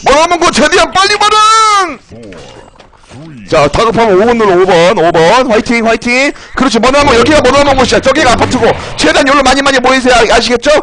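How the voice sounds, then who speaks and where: A man streaming a game live, excitedly shouting orders at his teammates and breaking into mock-grand commands. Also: extremely high pitch, racing, hardly any pauses, crowd noise. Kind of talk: live gameplay commentary. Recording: noisy game audio behind.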